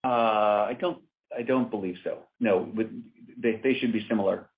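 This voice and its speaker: Deep husky man on a phone line. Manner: halting, repeats words. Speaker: company executive. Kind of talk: answering questions on an earnings call. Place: conference call. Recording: muffled narrow phone line.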